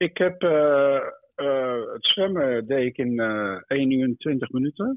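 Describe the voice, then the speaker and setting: A man with a fairly high pitch and ordinary pitch variation speaks at a very slow pace. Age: 70s. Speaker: triathlete. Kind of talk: interview. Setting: phone call.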